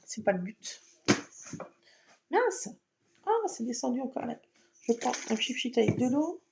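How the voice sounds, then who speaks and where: A woman's voice: fairly high pitch, very animated, a little slow, gravelly. A woman chatting through a crafting tutorial at home, explaining each step with lots of fillers. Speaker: craft vlogger. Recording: dull lo-fi sound with faint noise.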